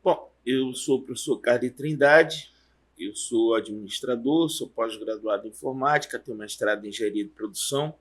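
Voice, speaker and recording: Husky-voiced Amazonian professor, halting. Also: male voice, medium pitch. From Amazonas, Brazil. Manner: rambling, halting storytelling with restarts. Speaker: university professor, guest. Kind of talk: relaxed career interview.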